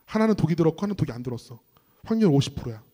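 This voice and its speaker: A man voicing a sly, mocking male devil who taunts and tempts. He speaks low and hushed. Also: very animated, racing. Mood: taunting. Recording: long reverb in a hall.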